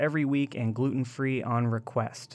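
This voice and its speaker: An unremarkable speaking voice from a man at medium pitch, with fairly even intonation against a quiet background. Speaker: podcast host and film office coordinator. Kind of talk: scripted intro and announcements.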